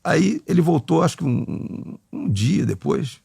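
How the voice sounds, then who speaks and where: A man tells behind-the-scenes studio stories in a raspy, gravel-laden voice. His delivery is lively and full of swing, and he jumps into quoted dialogue with salty language. The sound is close and dry. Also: a little high, a little slow, no room sound. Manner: animated, acts out quoted dialogue, swears freely. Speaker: recording engineer recalling studio sessions. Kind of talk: casual interview storytelling.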